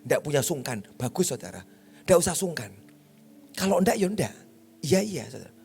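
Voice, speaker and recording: Male pastor, husky and animated, blunt sermon style that keeps turning to address the congregation. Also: high voice, normal speed. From Makassar, Indonesia. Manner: blunt, emphatic preaching with Javanese asides; calls out to the congregation often.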